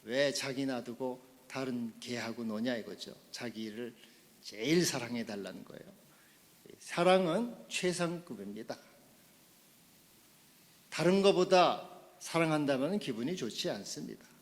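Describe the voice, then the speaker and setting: A man pastor delivering a Sunday sermon, asking the congregation questions and building to loud, emphatic climaxes. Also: medium pitch, animated, measured pace, in a large hall. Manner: asks the congregation questions directly.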